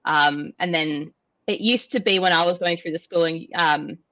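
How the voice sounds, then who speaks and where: A young woman with an Australian accent talks at a relaxed pace, dotting her explanations with "um". Her voice sits on the low side. The audio is dry and slightly dull, with the muffled sound of a basic mic. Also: no room sound. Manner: relaxed, explanatory, frequent "um" pauses. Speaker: guest, industrial automation engineer. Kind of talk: casual interview answers.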